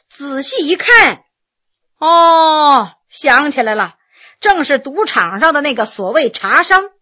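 A woman tells a historical story in a dramatic narration style. Her voice is high, bright and forceful, and it rises and falls a great deal as she speaks.

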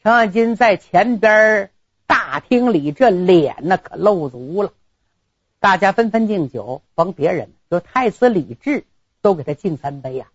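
A woman's voice: mid-range voice, expressive, measured pace, breathy edge, no room sound, dull audio. A woman performing a traditional story, dramatic, with sound words and asides to listeners.

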